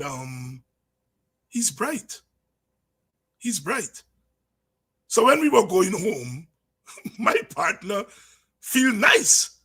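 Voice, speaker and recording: A middle-aged man with a Guyanese accent giving an impassioned, informal talk as a political commentator, telling anecdotes and repeating phrases for emphasis. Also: breathy edge. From Guyana, from the countryside. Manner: emphatic, repeats words and phrases, swings from low asides to shouts.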